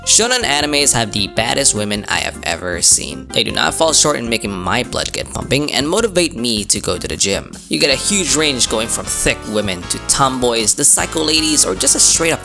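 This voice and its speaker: This is an androgynous-sounding commentator delivering a casual scripted video essay. The pitch sits mid-range and swings around a lot, with a gravelly edge. The delivery is crude, slangy and joking, with plenty of swearing, over clearly audible music. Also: sing-song, moderate pace, hardly any pauses. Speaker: anime and manga video commentator.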